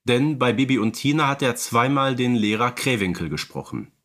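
A man's voice: medium pitch, animated, normal speed, a bit bright. Enthusiastic man podcast co-host. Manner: enthusiastic, many fillers. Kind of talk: casual chat about radio plays.

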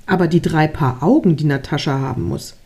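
A woman's voice: low-pitched, fairly quick, a little mellow, husky, voice pushed down. A woman reading aloud, voicing a doubtful, fussy male angel helper who asks sighing questions.

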